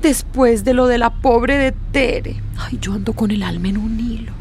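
A woman's voice: fairly high pitch, normal speed, a little mellow, a little hiss or hum, lightly acted. A woman playing a fussy, complaining village woman who sighs and exclaims constantly, in a radio drama. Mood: indignant. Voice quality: exasperated sighing, frequent "ay".

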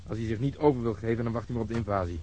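An actor playing a mocking, reckless police detective in a radio drama. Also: male voice, lowish voice, very fast, warm tone, close to an everyday voice. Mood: dry, determined. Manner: mocking, taunting, chuckling. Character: sardonic, reckless, swaggering male police detective. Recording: dull radio drama recording, noisy background.

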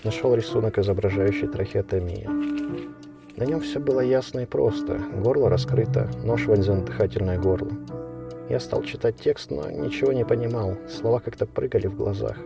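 Low-voiced man reading a story. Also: moderate pace, gravelly. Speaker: audiobook narrator. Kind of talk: literary reading in first person. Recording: distant mic with music bed.

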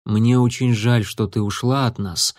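A man voicing a grave tom cat clan leader who speaks quietly and with regret. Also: mid-range voice, fairly even intonation, unhurried, no echo, lightly acted. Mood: regretful. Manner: quiet, sighing, dry.

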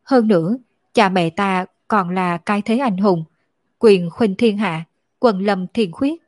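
Sad lonely orphan girl, a woman reading her lines, slow choked-up talk, really dry sound. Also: medium pitch, a little mellow, no echo. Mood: sorrowful. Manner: slow, grieving, choked delivery. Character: lonely orphaned young woman, sorrowful and tearful.

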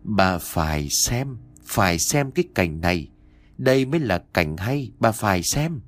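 A slow, gloating spirit, as a man puts it on. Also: on the low side, very animated, dry recording.

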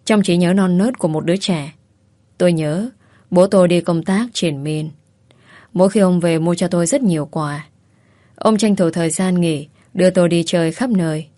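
A woman narrating a first-person audiobook story in a calm, measured way. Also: on the low side, no echo.

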